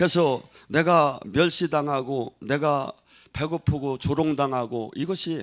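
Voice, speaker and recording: Speaking very slowly with a slight Chungcheong accent, a man uses a fairly high pitch in a very clean recording with a silent background. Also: ordinary pitch variation. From Chungcheong province, Korea. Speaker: pastor. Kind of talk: sermon. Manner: stutters a little.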